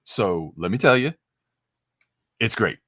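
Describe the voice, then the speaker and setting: A man co-hosting a casual review chat, eager and excited, stumbling and repeating words as he talks. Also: fairly low pitch, slow pace, no echo, clean studio sound. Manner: eager, stammering, with many fillers. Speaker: podcast co-host.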